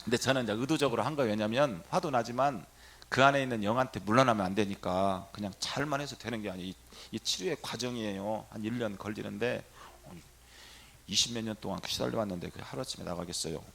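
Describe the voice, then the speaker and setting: A middle-aged man, a Catholic priest, telling a story in a sermon and acting out the quoted dialogue with lively energy. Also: fairly low pitch, fast, vocal fry.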